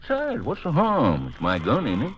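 A man's voice: fairly high pitch, huge pitch swings, normal speed, a bit bright, dull audio, slight background noise. An actor playing an evasive, folksy middle-aged night watchman, defensive and rustic, in 1950s radio drama style. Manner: folksy, drawling rural grammar, defensive.

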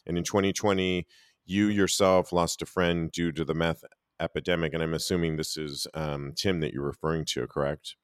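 A man's voice: low voice, steady tone, moderate pace, no echo, studio quality. A man interviewing a filmmaker, asking long questions in an affirming way and sometimes stumbling over words. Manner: warm, affirming, reads statistics aloud, some stumbles.

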